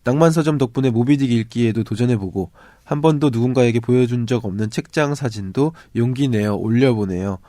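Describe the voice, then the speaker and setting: A man's voice: mid-range voice, mellow, no room sound, clean studio sound. A man co-hosting a casual book podcast, speaking with a stuffy, congested nose. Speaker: podcast co-host. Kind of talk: casual book podcast chat, reading listener comments.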